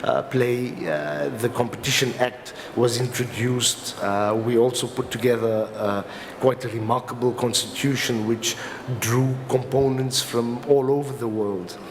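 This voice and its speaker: A man with a South African accent giving an explanatory conference talk as a legal professional, in a halting, hesitant delivery with repeated words. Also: medium pitch, fairly even intonation. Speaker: company lawyer speaking as a summit panelist. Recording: reverberant hall with clear background noise.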